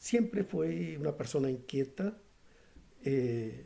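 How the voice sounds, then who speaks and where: At a very slow pace, a man speaks in a fairly high, somewhat breathy voice with a dark, mellow tone. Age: 60s. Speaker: religious teacher. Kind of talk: personal testimony. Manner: halting, many fillers.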